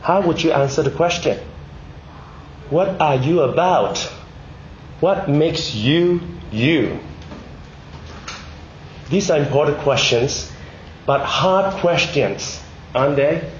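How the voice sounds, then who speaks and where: A man's voice: fairly high pitch, animated. Echoey Malaysian man giving a Christian talk. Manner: measured, short phrases with rhetorical questions. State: recovering from a bad cold, one ear blocked. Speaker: speaker at a Christian public talk. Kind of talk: prepared sermon-like talk to students. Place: indoor room, speaking to an audience. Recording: echoey room, dull sound, faint noise.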